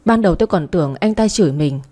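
A woman's voice: fairly low pitch, expressive, fast, mellow. A woman reading a first-person story aloud, voicing the characters herself. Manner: dramatic reading that voices every character.

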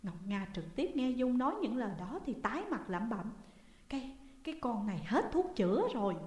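Southern Vietnamese woman, audiobook narrator, steady expressive read, highish voice, heavy long reverb. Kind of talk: audiobook narration of a ghost story. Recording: echoey room with long reverb.

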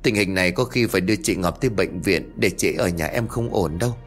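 A man's voice: sits low, fairly quick, soft background music, natural voice. A man voicing a concerned young woman speaking earnestly.

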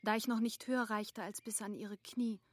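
A woman's voice: fairly high pitch, fairly even intonation, normal speed, no echo, lightly acted. An actress playing a humble, affectionate, devoted young girl in a literary radio drama. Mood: tender, devoted.

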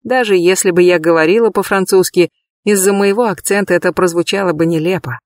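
A man giving a measured, lightly expressive first-person audiobook reading, recorded close in a booth. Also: high voice, no room sound. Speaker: audiobook reader.

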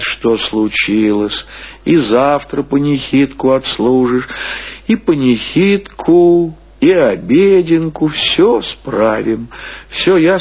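A male reader plays a forgetful old mother with a commanding streak. The delivery is folksy and insistent, husky, with drawn-out words. It sounds like a dull old radio recording. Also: mid-range voice, exaggerated voice. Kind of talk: dramatised literary reading.

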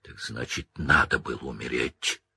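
A man voicing a bitter, furious adult wizard with a low, seething growl. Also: expressive, slow, fairly bright tone, husky, dry recording, full character voice.

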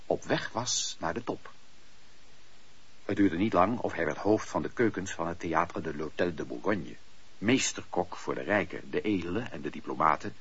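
A man narrating a radio play as an expressive, theatrical storyteller. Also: deep voice, husky, exaggerated voice. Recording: dull lo-fi radio play recording.

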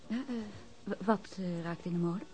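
An actress playing a female police officer who talks in a familiar, gently probing way in a Dutch radio crime drama. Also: on the low side, moderate pace, natural voice. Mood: tentative.

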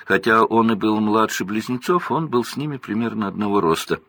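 A man reading a children's novel aloud in an expressive storytelling manner. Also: lowish voice, brisk. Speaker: audiobook reader. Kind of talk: scripted narration.

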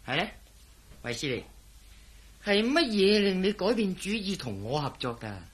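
A smug, sly spy boss. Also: male voice, sits high, big pitch swings, fairly bright tone, breathy edge, exaggerated voice. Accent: Cantonese. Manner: slow, drawn-out, smug delivery with mocking laughs. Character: smug male intelligence boss, sly and mocking.

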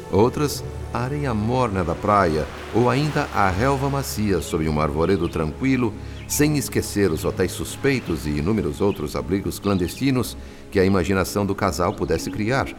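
A compassionate spirit observer telling his story in a radio drama. The voice is very low, with an expressive, rising and falling range. The delivery is solemn, deliberate and literary, set over clear background music. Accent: Brazilian. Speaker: narrator and character in a radio drama.

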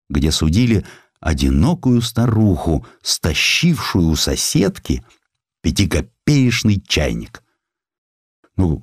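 A man's voice: sits low, a little mellow, breathy edge, no echo, studio quality. A man narrating historical sketches as a theatrical storyteller in a dramatized audiobook.

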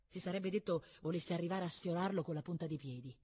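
A woman reading a novel aloud in a calm, measured narrating voice. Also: lowish voice, slight background noise. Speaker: reader.

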